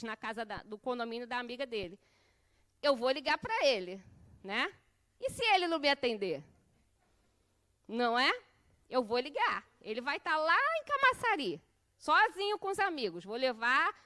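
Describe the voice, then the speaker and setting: A middle-aged woman gives a lesson in a chatty, conversational way. Her voice sits high, and she keeps checking in with her listeners by ending her sentences with a questioning "né". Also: sharp tone. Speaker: course instructor. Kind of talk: conversational lesson with personal anecdotes.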